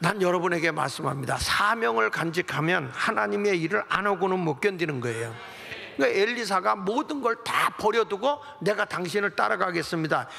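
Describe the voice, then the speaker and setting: An animated tone with very wide pitch swings and very even loudness comes through over noticeable background noise. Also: man, high pitch for a man. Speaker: pastor. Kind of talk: sermon. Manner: fast.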